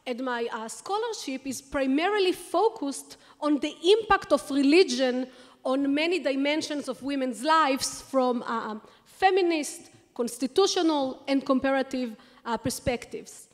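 High-voiced Israeli woman at a podium. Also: animated. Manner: earnest, fast, with many fillers and restarts. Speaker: award recipient giving thanks. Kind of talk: acceptance speech at a podium. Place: large lecture hall on stage. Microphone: podium microphone on a stand. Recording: long hall reverb.

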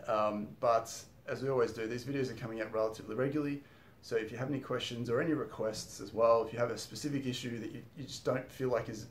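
A man talking viewers through an exercise and explaining it, in a coaching tone with casual fillers. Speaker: health educator. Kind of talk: instructional video talk. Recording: echoey room with faint rumble.

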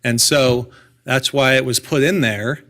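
A man with a mid-pitched voice speaks at a public hearing. He explains a technical matter in measured, procedural language. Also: steady tone, fairly bright tone. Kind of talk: explanatory public meeting testimony. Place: public meeting room.

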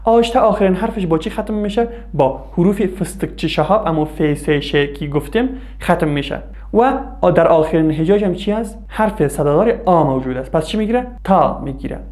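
A man's voice: high-pitched, animated, few pauses, darkish tone. Patient male Afghan language teacher. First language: Dari. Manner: clear, patient explaining with questions and answers. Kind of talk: scripted language lesson.

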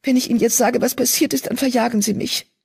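A woman's voice: fairly even intonation, fast talker, vocal fry, a little mellow, breathy edge, exaggerated voice. A woman voicing an anxious, guilt-ridden young female medicine cat in an audiobook, pleading and distressed. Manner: pleading, distressed, voice raised high. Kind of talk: audiobook character voice.

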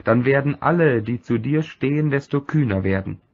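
A man's voice: mid-range voice, expressive, moderate pace. A man reading the lines of a cunning royal adviser in a calculating, matter-of-fact way. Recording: dull lo-fi recording.

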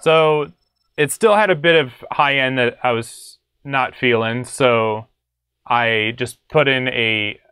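A man's voice: medium pitch, takes it slowly, bright, forceful tone. A young adult man hosting a casual music production tutorial, explaining in a laid-back, conversational way. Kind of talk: casual screen-share tutorial. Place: small home studio room.

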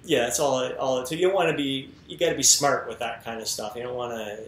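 A man's voice: mid-range voice, fast talker, slight background noise. A man in his thirties co-hosting a fitness podcast, talking earnestly and swearing casually, speaking through an earbud mic on a video call from home. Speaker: podcast co-host. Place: home room with bookshelves, indoors. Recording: echoey room.

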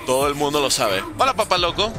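Talking fast and with great animation, this nineteen-year-old streamer from Venezuela reads chat questions and answers them sarcastically. His voice is fairly high. Music and crowd noise run underneath his casual commentary.

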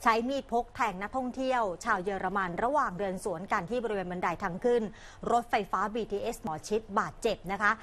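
A woman news reporter narrating a crime story in a brisk, polite news delivery. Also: medium pitch, a bit bright.

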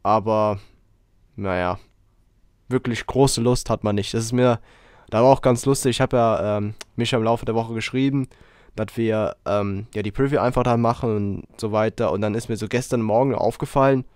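A man hosting a casual podcast while he has a cold, talking in a rambling, relaxed way with lots of fillers. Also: mid-range voice, no room sound, studio quality. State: has a cold, hoarse throat. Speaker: podcast host.

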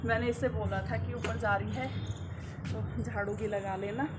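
Cooking at home, a vlogger chats casually with her viewers and narrates each step with plenty of fillers, moving between her kitchen and rooftop. Her voice is a little high with fairly even intonation and a moderate pace. The sound is roomy and very noisy.

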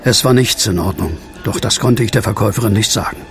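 An actor playing a brooding man who narrates his own horror story in an earnest, measured way. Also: lowish voice, gravelly, soft background music. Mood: horrified brooding. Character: brooding male narrator, former asylum patient fearing werewolves. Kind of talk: first-person horror audio drama narration.

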